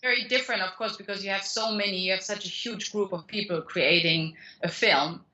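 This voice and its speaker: A woman's voice: medium pitch, a little fast, sharp tone, lo-fi sound. A woman with a German accent, a guest author talking through her career in a rambling way, with many restarts and fillers. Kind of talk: conversational interview answers.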